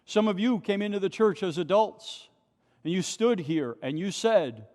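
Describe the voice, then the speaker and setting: A man's voice: sits high, expressive, normal speed, darkish tone. Male pastor preaching at a pulpit microphone. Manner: impassioned, asks rhetorical questions. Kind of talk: sermon. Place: large nearly empty church. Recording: long church reverb.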